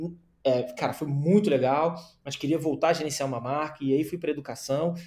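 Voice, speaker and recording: This man's voice is fairly high in pitch and somewhat breathy. He moves at a fairly quick pace with ordinary pitch variation. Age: 40s. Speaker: marketing and communications professional. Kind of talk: casual interview chat.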